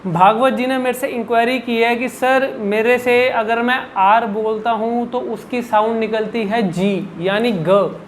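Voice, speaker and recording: In this rough recording with slight background noise, a male speech and public speaking coach speaks a little slowly with few pauses, his very high voice keeping fairly even intonation. He responds to viewer questions in an instructional video, repeating syllables and words to demonstrate each sound.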